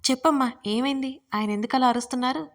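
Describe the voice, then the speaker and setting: A woman's voice: fairly high pitch, steady tone, brisk, close to an everyday voice. A woman voicing a young man, an insistent and shaken fiancé, in a storybook reading. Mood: disbelieving. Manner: pleading then insistent, raising his voice.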